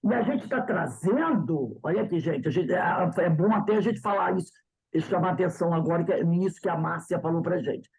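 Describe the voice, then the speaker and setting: A Brazilian woman teaching a study group in a casual, storytelling way. Her voice is husky and mellow, and she acts out conversations with plenty of repetition. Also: fairly low pitch, a little fast, rough recording. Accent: Brazilian Portuguese. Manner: animated, retells dialogues with repetition. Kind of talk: casual class talk with storytelling.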